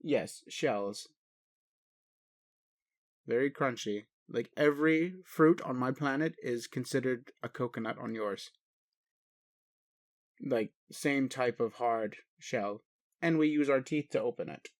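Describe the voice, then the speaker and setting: A man playing a gentle, doting blue-skinned alien caretaker in a roleplay audio, rambling playfully and speaking tenderly to the listener. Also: medium pitch, takes it slowly, long pauses. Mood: reassuring, playful. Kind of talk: soft roleplay monologue to a listener.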